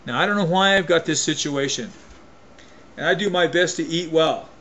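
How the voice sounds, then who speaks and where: A man with a voice pitched a little higher than most men rants into the camera in a folksy, emphatic way. He keeps restarting and doubling back on his phrases as he talks. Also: normal speed, a bit bright, a little hiss or hum. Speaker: vlogger. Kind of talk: opinion rant to camera.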